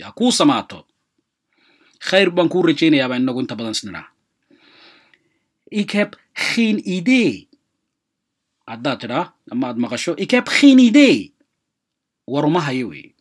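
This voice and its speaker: A language teacher hosting a lesson, giving quick explanations and then repeating short example phrases slowly. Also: mid-range voice, very animated, a bit bright, breathy edge. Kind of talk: radio-style language lesson.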